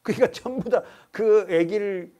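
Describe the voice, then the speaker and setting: Delivering an expository sermon at church, a man speaks in a high-pitched, dark-toned voice at normal speed. He often asks his listeners questions only to answer them himself, and he invites them to read passages of scripture aloud.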